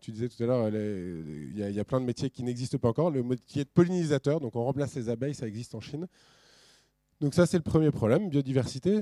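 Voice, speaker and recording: Very fast and lively in intonation, a man speaks in a dark, mellow tone. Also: medium pitch for a man. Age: 40s. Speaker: engineer and permaculture farmer giving a talk. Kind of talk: conference talk with slides. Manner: halting, many repeated words and fillers.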